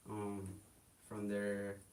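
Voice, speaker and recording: Young adult man, raised in Mexico, interview guest, low voice, halting delivery, recorded a bit off-mic with light hiss. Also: monotone, a little mellow, recorded from a distance. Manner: halting, many fillers and restarts. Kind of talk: casual interview.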